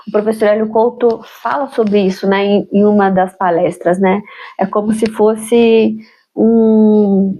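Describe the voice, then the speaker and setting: A woman's voice: mid-range voice, mellow, rough recording. A woman with a nasal, stuffed-up voice from a cold, reflecting aloud on her spiritual practice in a musing way and adding tag questions to her sentences. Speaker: spiritual vlogger. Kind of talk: reflective personal talk.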